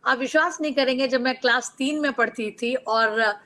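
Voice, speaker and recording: A middle-aged woman from Bihar speaks in a somewhat high voice, answering in an earnest, reflective way. She talks as a guest author, weaving in personal stories. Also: normal speed, pushed and bright. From Bihar, India. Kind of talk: interview answers.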